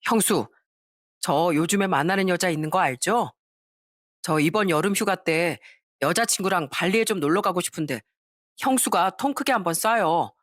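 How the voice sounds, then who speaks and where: A woman's voice: lowish voice, lively intonation, normal speed, dry recording. A petulant brother-in-law in his forties wheedles and grumbles for favors, as a woman reads him. The sound is dry and close, in an audio story. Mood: wheedling.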